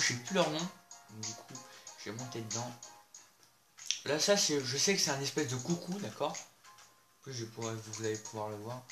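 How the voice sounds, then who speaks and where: A man casually showing off vehicles in a video game, chatty, with frequent fillers and asides to viewers. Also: medium pitch. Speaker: gameplay video host. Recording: roomy sound with loud game music.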